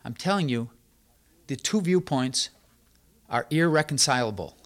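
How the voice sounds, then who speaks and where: A man's voice: medium pitch, animated, measured pace, a bit bright. A man giving an emphatic sermon, stressing points through repetition as a Bible teacher.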